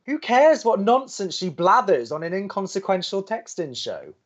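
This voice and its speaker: A man's voice: sits high, sing-song, normal speed, lo-fi sound. A young man acting a dry-witted, sceptical college radio co-host who argues with reason in a scripted romantic comedy audio drama. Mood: argumentative. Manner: wry, sardonic, reasoning.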